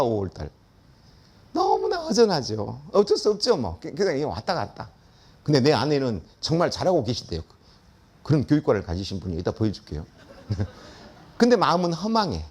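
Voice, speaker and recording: A man's voice: a little high, husky. An older man giving a storytelling lecture, acting out the voices of the people in his story and laughing often. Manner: animated, acts out quoted voices, laughs often. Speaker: school principal giving a lecture.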